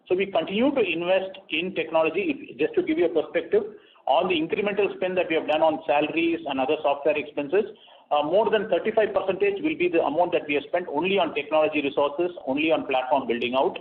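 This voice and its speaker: A man presents quarterly financial results over a conference call. He speaks in a measured way, with frequent "uh" fillers and restarts. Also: fairly high pitch. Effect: heard over a conference call line. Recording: tinny phone-line conference call audio.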